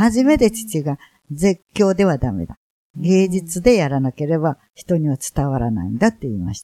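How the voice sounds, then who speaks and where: A woman with a fairly low pitch and a dark, mellow tone speaks at a moderate pace, with very wide pitch swings and big swings in loudness, the sound dry and close with no echo. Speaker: gallery director. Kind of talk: interview. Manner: halting.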